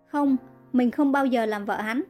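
A woman's voice: a little high, a little slow, warm tone, soft background music, natural voice. A woman reading the part of a kind young woman who pleads earnestly in a narrated story. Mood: pleading. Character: kind young woman healer, frightened captive.

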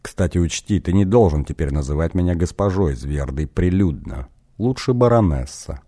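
A man voicing a sly, sarcastic noblewoman with a husky voice, reading her lines in an audiobook. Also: sits low, expressive, moderate pace, mellow, exaggerated voice. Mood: mocking. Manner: teasing, sarcastic. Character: sly husky female baroness, mocking.

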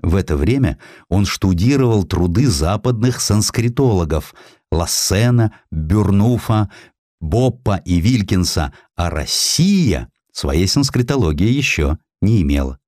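A man reading a literary historical narrative aloud in an expressive, scripted storytelling style. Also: sits low, unhurried, dry recording, studio quality. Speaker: audiobook narrator. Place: dry studio.

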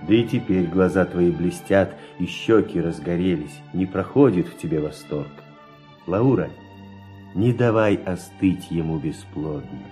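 Courtly admirer, low mellow voice. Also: male voice, faint music behind. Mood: admiring. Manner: slow, florid compliments. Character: admiring, courtly male guest, effusive and conciliatory. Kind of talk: classic verse radio drama acting.

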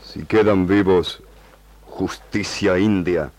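A man playing a stern indigenous chief in a radio serial, speaking halting, broken Spanish in a gravelly voice. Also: low-pitched, fairly even intonation, darkish tone. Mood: grave, judging.

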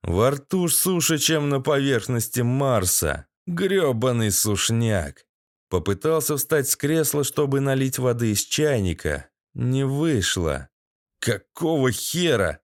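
A man's voice: mid-range voice, very animated, slow pace, no room sound, clean studio sound. A man reading a first-person audiobook in a gritty, sardonic storytelling manner. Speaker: audiobook narrator.

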